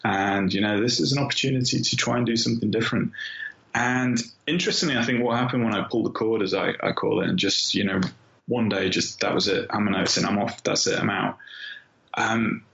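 A man's voice: fairly low pitch, a little fast, creaky, fairly bright tone. A middle-aged man talking casually as an interview guest, acting out his own thoughts as he tells his story. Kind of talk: casual conversational interview answers. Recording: muffled, roomy, echoing sound.

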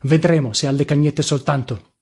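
A man's voice: fairly high pitch, fairly even intonation, normal speed, a little mellow, breathy edge. A man reading a haughty, hot-headed young painter. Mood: defiant. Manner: provocative, contemptuous.

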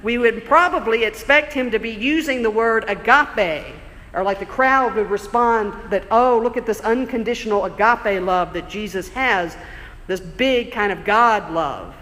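A man preaching a sermon in a church, conversational and explanatory, slowing down for emphasis. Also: sits high, sharp tone. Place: church sanctuary. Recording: long church reverb.

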